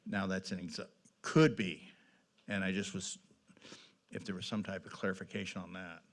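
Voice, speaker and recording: A man with a low voice full of gravelly fry speaks as a council member. He is plain-spoken and informal. His questions tend to ramble and circle back. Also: little pitch movement, moderate pace.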